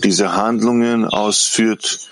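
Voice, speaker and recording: A man's voice: on the low side, fairly even intonation, takes it slowly, fairly bright tone, poor audio. A man interpreting a religious text as it is read aloud.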